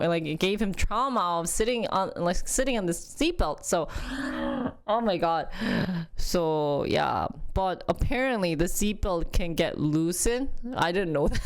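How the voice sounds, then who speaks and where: A woman in her thirties chatting casually to viewers, rambling and animated, acting out her baby's noises. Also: fairly low pitch. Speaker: vlogger talking about her baby.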